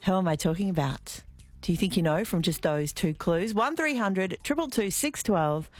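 A woman's voice: lowish voice, normal speed, soft background music. Chatty middle-aged Australian woman radio host. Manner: chatty, relaxed, with frequent "uh" fillers. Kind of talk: live radio talk. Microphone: studio microphone.

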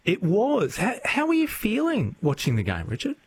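A man's voice: high voice, wildly swooping pitch, normal speed, slight background noise. A man hosting a radio interview, upbeat and enthusiastic. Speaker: radio host.

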